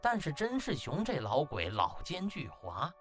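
Very animated male audiobook narrator. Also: on the high side, unhurried, soft background music. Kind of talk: dramatic scripted storytelling.

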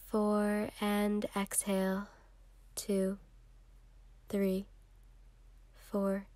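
A woman leading a guided meditation in a soft, soothing, unhurried way with long pauses, breathy at times. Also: mid-range voice, dry recording.

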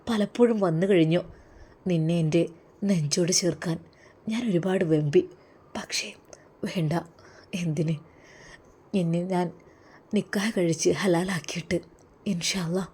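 A woman voicing a tender, devout Arab man who speaks softly and earnestly to a young woman. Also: lowish voice, slightly rough. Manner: soft, hushed, pleading.

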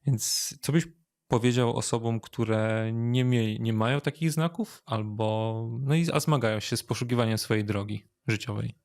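A man's voice: medium pitch, normal speed, darkish tone. Man, hesitant interviewer. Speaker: host interviewer. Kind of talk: casual interview talk.

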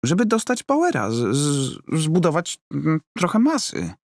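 An excitable middle-aged man who boxes as a hobby, acted out by a male audiobook reader. His voice sits raised and close, with no room around it. He is hesitant and eager, stumbling over words as he pleads his case. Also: on the high side, no room sound, pitched above the performer's own voice, full character voice. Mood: excited. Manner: stammering, excitable, halting.

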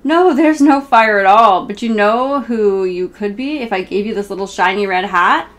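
A woman's voice: mid-range voice, moderate pace, a bit bright, lightly acted. A woman reading the part of a friendly, patient grown-up man in a children's storybook, coaxing and explaining. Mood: patient, correcting.

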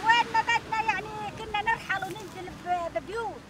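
A woman's voice: extremely high pitch, quick pace, recorded from a distance. An older woman with a Bedouin Arabic accent, telling about life in an interview outdoors. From Lebanon. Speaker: shepherd and farm worker being interviewed. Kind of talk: interview storytelling. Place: open field outdoors near a village. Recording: busy outdoor field recording, animal and traffic noise.

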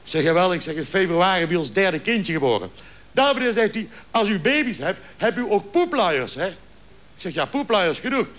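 A man's voice: high-pitched, normal speed. A man telling long jokes on a television show, acting out the dialogue as he goes. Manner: lively storyteller acting out dialogue. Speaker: joke teller. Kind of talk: stand-up joke telling.

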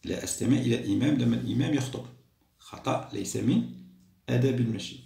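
A male primary school teacher with an Algerian Arabic accent reviews an exam lesson. He reads each question slowly, praises the class and explains each answer. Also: mid-range voice, gravelly, dark tone, reverberant, recorded from a distance.

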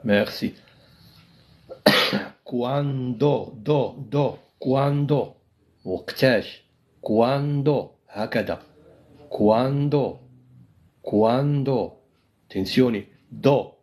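Slow, repetitive teacher with a Moroccan accent. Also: male voice, mid-range voice, a little mellow. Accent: Moroccan Arabic. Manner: repeats each word many times, drills phrases very slowly. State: unwell, coughing. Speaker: Italian language teacher. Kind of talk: live online language lesson.

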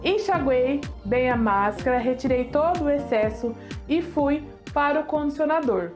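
A chatty Brazilian woman in her thirties reviews hair products to camera in a high, bright, animated voice at a moderate pace. She's easily enthusiastic and pokes fun at herself, recorded on a lapel mic in a small home studio with soft music faintly underneath.

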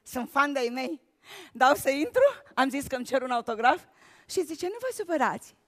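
A comic actress doing a lively stand-up monologue on a gala stage, telling a story with sudden shouted bits. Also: female voice, high voice.

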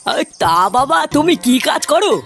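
A gullible middle-aged cartoon father of the bride voiced by an actor speaks high and very animatedly. He is inquisitive and easily impressed, with music behind him. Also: big pitch swings, normal speed, a bit bright, exaggerated voice. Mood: curious, impressed. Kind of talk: comic cartoon dubbing.

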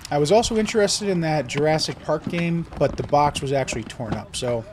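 A man's voice: a little high, a little fast. Man, stuffed-up nasal voice, recovering from a cold, easygoing vlogger, noisy outdoor wind. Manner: easygoing and chatty. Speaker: flea market vlogger. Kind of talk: casual vlog narration.

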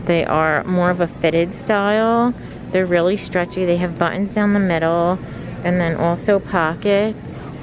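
Slow-talking woman vlogger in a store. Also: lowish voice, fairly even intonation, background noise. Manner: unhurried, describing clothes item by item. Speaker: fashion vlogger. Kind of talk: shop-with-me narration. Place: large retail store, indoors. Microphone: handheld phone filming the racks.

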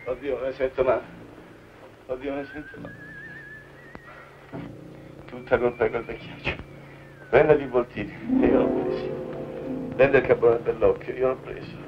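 An actor playing a fussy, self-pitying middle-aged bachelor who frets and wails to himself in a 1950s film comedy. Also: male voice, medium pitch, steady tone, measured pace, pauses often, close to an everyday voice. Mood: fretful. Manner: whiny, fretful muttering to himself, swings to wailing complaints. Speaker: film character. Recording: dull old film soundtrack with faint hiss and music.

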